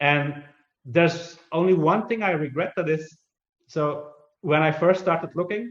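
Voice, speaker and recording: Speaking at a moderate pace with a Dutch accent, a man has a high voice and ordinary pitch variation. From Belgium, West Flanders. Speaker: author and software entrepreneur. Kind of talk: interview conversation. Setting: podcast interview. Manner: halting, many repeated words.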